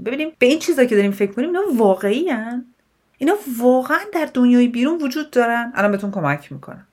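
A young adult woman from Iran, a life coach, gives advice in a solo podcast monologue, talking directly and animatedly with rhetorical questions and English loanwords. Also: mid-range voice.

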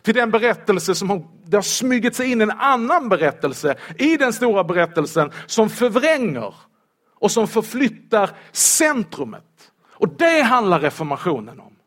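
A man preaching a sermon in church, lively and humorous, asking rhetorical questions of the congregation. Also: high-pitched.

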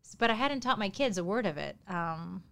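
A woman author from the New York City area, with Japanese as her first language, telling her story in an animated interview. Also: medium pitch, fairly quick, gravelly, smooth. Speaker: author, podcast guest.

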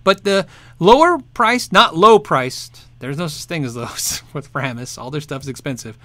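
A man's voice: on the high side, lively intonation, moderate pace, bright, forceful tone, no echo. A man hosting a guitar show, chatting casually and answering viewer questions, rambling and restarting sentences and laughing often. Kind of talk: casual live chat.

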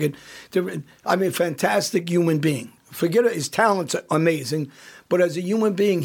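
A man's voice: on the high side, vocal fry, breathy edge. A man hosting a podcast in casual chat, blunt and emphatic, often restarting his sentences. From United States. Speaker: podcast host.

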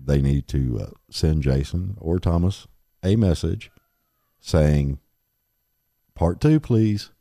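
A middle-aged man with a very deep voice hosting a podcast, chatting in a rambling, laid-back way. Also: lively intonation, takes it slowly, pauses often, dark tone, dry recording, studio quality. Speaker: podcast host. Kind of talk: casual chat.

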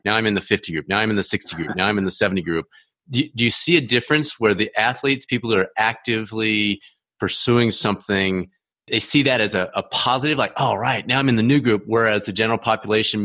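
A man's voice: fairly low pitch, bright, forceful tone. A man hosting a conversational interview, asking questions in a casual, chatty way. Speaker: interviewer, podcast host.

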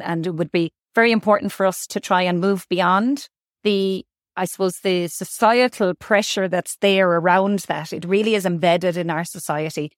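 A woman's voice: on the low side, dry recording, studio quality. A woman doctor, answering interview questions thoughtfully and often repeating words as she thinks. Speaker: guest doctor.

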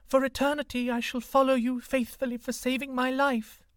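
An eager, devoted green snake girl from a storybook tale, as a man puts her on, high and effusive. Her gushing sounds dry and close. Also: level tone, moderate pace, a bit bright, no echo.

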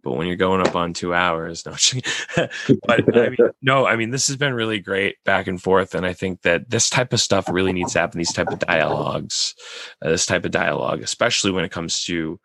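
A man with a raspy voice, hosting a casual podcast chat and rambling with many restarts. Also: deep voice, fairly quick, pushed and bright, dry recording.

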